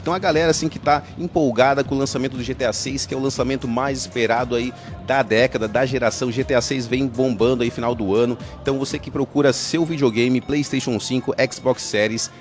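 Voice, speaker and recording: A man from Brazil, a game store owner, chatting in an upbeat, salesy way as a guest at an outdoor festival. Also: mid-range voice. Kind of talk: casual promotional interview.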